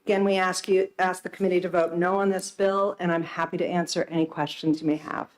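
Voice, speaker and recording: A woman social worker giving formal, earnest testimony to a legislative committee, speaking in a measured way in a hearing room. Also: lowish voice, little pitch movement.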